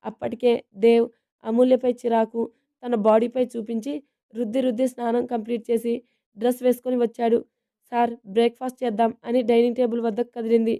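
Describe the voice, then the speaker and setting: A woman narrating a romantic family story in a steady, even reading manner. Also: on the high side, quick pace.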